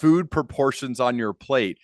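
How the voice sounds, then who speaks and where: A man's voice: mid-range voice, a little slow, dry recording, studio quality. A man hosting an interview podcast, chatting informally with anecdotes and acted-out imagined quotes. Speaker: podcast host. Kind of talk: casual interview chat.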